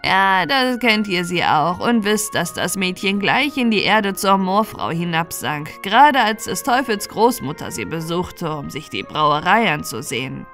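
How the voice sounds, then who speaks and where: A woman's voice: lowish voice, very animated, measured pace, few pauses, a bit bright, soft background music, full character voice. A woman as a chatty, boastful old bog witch. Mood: confiding.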